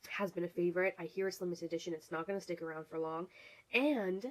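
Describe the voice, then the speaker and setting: A woman's voice: lowish voice, steady tone, fast talker. A woman vlogger chatting casually through makeup reviews, full of fillers and restarts, while getting over a cold. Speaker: beauty vlogger.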